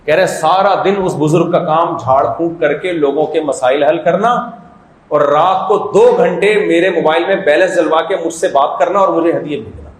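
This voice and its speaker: Joking man preaching in an echoey room. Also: fairly high pitch. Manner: joking, conversational storytelling. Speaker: mufti giving a religious talk. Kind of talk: humorous Islamic sermon.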